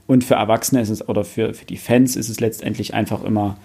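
A man's voice: lowish voice, steady tone, quick pace, dark tone, slightly rough. A man in a casual discussion, explaining things like a knowledgeable fan. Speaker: book podcast panelist.

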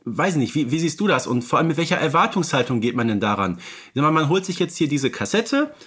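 A man's voice: fairly high pitch, a bit bright. Thoughtful man musing in a fan podcast. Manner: thoughtful, hedging with "ich sag mal", asks his co-host questions. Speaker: podcast co-host. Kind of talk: casual fan podcast discussion.

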